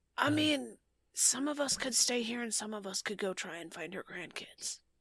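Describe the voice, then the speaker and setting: In a put-on character voice, a female-sounding speaker uses a raspy, fairly high pitch at a moderate pace. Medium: actual play. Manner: sardonic.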